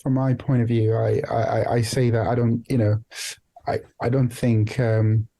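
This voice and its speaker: A man reflecting in a podcast interview as a guest, speaking haltingly, repeating and rephrasing his phrases and often adding "you know". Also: medium pitch, flat delivery, gravelly, dark tone. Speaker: guest, founder and CEO of a non-profit organization.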